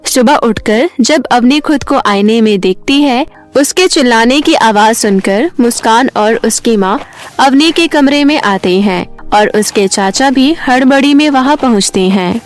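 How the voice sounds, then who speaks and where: A woman's voice: fairly high pitch, unhurried, faint music behind. A woman narrator reading a scripted children's story.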